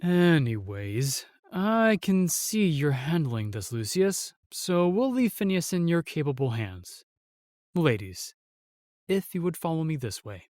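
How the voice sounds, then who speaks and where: A man's voice: fairly high pitch, big pitch swings, a little slow, darkish tone, no room sound, clean studio sound. An actor playing a protective male knight in a fantasy audio roleplay, formal, courteous and earnest. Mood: stern.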